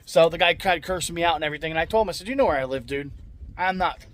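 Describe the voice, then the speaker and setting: A man's voice: a little high, racing. Blunt, rambling man with a raised voice. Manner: blunt, venting, swears freely, many restarts. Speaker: scrap-metal vlogger. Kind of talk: casual rambling vlog talk.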